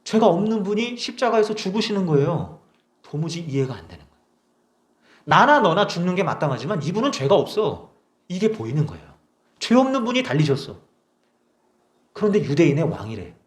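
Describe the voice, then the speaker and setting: Young male pastor, sermon, emphatic, high voice, roomy small-church echo. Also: sing-song, fairly quick, pauses often. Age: young adult. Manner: emphatic, rhetorical questions.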